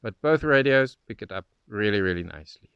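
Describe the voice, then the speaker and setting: A man's voice: lowish voice, lively intonation, brisk, lo-fi sound, very noisy. A man giving an informal, explanatory voice-over as a radio hobbyist. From South Africa. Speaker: shortwave radio hobbyist narrator.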